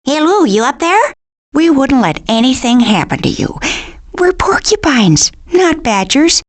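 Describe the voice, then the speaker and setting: A woman's voice: high voice, very animated, measured pace. A woman voicing a sweet, fretful porcupine mother in a video game, folksy and fussing, with an Upper Midwestern American accent. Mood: cheerful, reassuring. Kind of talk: animated video game character acting.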